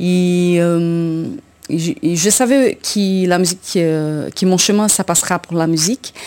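Speaking very slowly with hardly any pauses, a woman has a fairly low pitch and ordinary pitch variation. Her tone is dark and mellow. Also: very even loudness. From Brazil, São Paulo. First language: Portuguese (speaking French). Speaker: orchestra conductor. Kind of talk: casual chat.

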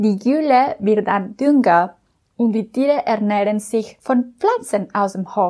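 With a Spanish accent and a dark, mellow tone, a woman speaks at a very slow pace, fairly high in pitch with ordinary pitch variation. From Mexico City. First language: Spanish (speaking German). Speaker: podcast host. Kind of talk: scripted narration.

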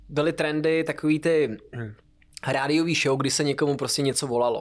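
The recording is very clean, with a silent background. A man with a normal speaking voice and a fairly high pitch talks at a moderate pace. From eastern Bohemia, Hradec Králové. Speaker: podcast host. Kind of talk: casual chat.

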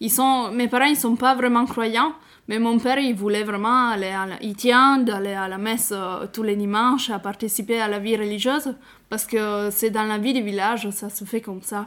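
A woman with an Italian accent speaks at a moderate pace, her intonation fairly even. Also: fairly high pitch for a woman, very clean recording, silent background. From northern Italy (Piedmont). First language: Italian (speaking French). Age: 20s. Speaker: queer community activist. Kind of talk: testimony.

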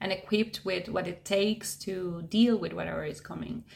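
A woman's medium-pitched voice with a Spanish accent, at a moderate pace. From Argentina. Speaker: yoga teacher and trauma facilitator. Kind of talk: casual chat.

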